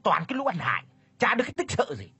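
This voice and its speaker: Cruel old landlord, yelling curses, raspy husky voice, a man does it. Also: fairly high pitch, fairly quick, no room sound. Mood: furious. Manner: bellowing, cursing. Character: brutal older male landlord.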